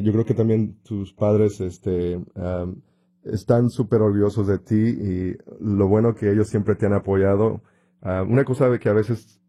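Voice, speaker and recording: A man's voice: on the low side, warm tone. A man hosting an interview, encouraging his guests with many short affirmations. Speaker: host.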